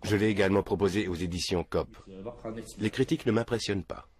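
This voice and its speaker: Older man with a very deep, level voice. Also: a little fast, darkish tone, a little hiss or hum. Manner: matter-of-fact, earnest, unshaken by questions. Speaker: interviewee. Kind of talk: documentary interview. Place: small room indoors, seated at a desk. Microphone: film crew mic off camera.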